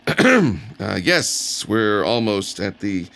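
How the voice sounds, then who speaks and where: Brief: middle-aged interviewer, gravelly and husky, lively pitch. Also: male voice, very slow. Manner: curious, slightly fumbling with fillers. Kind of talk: casual interview.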